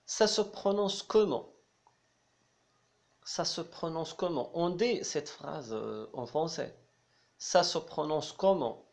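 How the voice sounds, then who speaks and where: A man teaching a language lesson, explaining slowly and repeating each phrase with some hesitation. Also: on the high side, gravelly. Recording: dull lo-fi sound.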